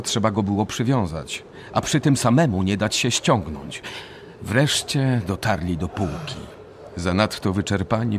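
Low-voiced male radio drama narrator. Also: a little hiss or hum. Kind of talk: scripted radio drama narration of a dark story.

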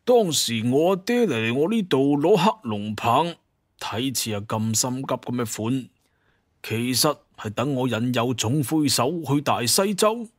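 A man's voice: mid-range voice, animated, measured pace, no room sound, clean studio sound. A man playing a proud, bitter hunter clan heir in an audio drama, with an emphatic manner. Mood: puzzled.

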